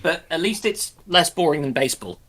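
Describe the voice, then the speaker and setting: A man's voice: fairly high pitch, lively intonation, brisk, pushed and bright, a little hiss or hum. A man chatting casually as a co-host on a live stream. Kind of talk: casual chat.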